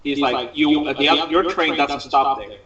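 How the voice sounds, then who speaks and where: Higher-voiced man, muffled and very echoey. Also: normal speed, pushed and bright. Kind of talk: casual chat, rambling anecdote. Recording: muffled, very echoey, distant mic.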